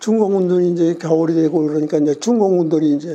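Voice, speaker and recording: A man talks fairly quickly in a high voice, with noticeable background noise around him. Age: 80s+. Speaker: war veteran. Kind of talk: interview answer.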